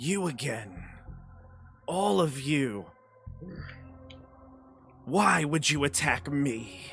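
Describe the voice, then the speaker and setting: A man's shrill put-on character voice at a medium pitch, very slow with long, frequent pauses, over music in the background. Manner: angry, demanding.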